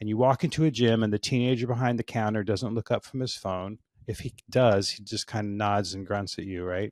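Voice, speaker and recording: On a very clean recording with a silent background and a dry, close sound with no echo, a man of medium pitch speaks at a moderate pace with ordinary pitch variation. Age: 60s. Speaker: fitness marketing expert. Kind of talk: podcast interview. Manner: animated.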